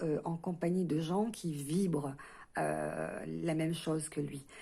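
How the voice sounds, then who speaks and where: A woman's fairly low, dark, mellow voice at a fairly slow pace. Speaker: tarot card reader. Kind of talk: tarot reading. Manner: hesitant, many fillers.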